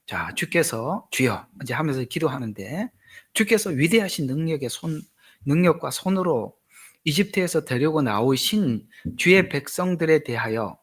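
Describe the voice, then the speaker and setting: A male pastor preaching a sermon, acting out prayers and rising to loud, emphatic questions. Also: a little high, breathy edge.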